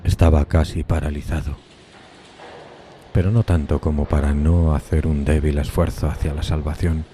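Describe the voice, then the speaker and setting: A man's voice: rumbling low, fairly even intonation, moderate pace, warm tone, a little hiss or hum. A man playing a lonely, horrified undead outcast who tells his tale in a solemn, anguished, theatrical horror audiodrama style, drawing out emphatic words. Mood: anguished, dazed. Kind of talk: dramatic gothic horror audiodrama narration.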